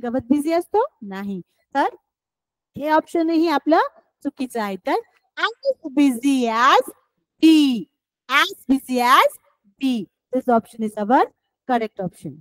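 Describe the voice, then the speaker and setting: A woman teacher with a Marathi accent explaining English words to children, slowly and deliberately, often repeating her questions to the class. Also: high-pitched, very animated, no room sound, rough recording. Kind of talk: scholarship exam English lesson for children.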